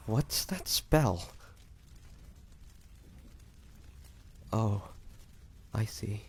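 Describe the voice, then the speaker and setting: A man playing an earnest, emotional young hunter in an audio drama, speaking haltingly with stammers. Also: fairly low pitch, a little mellow, a little hiss or hum. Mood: wistful realization. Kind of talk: dramatic audio roleplay acting.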